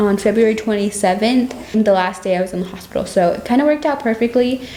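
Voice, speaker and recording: A woman talks at a fairly quick pace with a fairly high pitch and fairly even intonation. Noticeable background noise runs under her voice. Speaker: vlogger, new mother. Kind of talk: casual vlog update.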